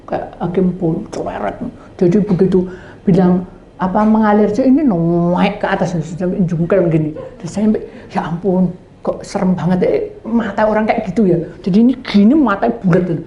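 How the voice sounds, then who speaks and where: With a medium-pitched voice at normal speed, a middle-aged woman pastor brings a sermon story to life, playing every part of the conversation and at times sinking to a whisper. The recording sounds muffled, echoing in a room with faint background noise.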